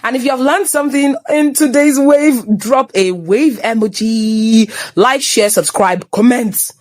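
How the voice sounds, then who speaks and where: A woman's voice: on the high side, measured pace, a little mellow, no room sound, studio quality. A young woman with a Nigerian accent hosting a motivational talk, moving between English and Pidgin, teasing and scolding her listeners. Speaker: host. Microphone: phone.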